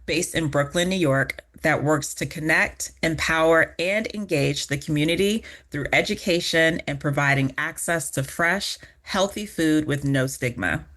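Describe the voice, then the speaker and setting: Low-voiced woman podcast host. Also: a little slow, hardly any pauses, a bit bright. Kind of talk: scripted intro then casual interview.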